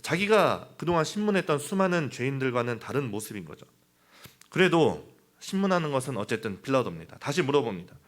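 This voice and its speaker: A man's voice: mid-range voice, very animated, quick pace. A man preaching a midweek sermon, talking in a conversational way with rhetorical questions and small fillers. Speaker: pastor.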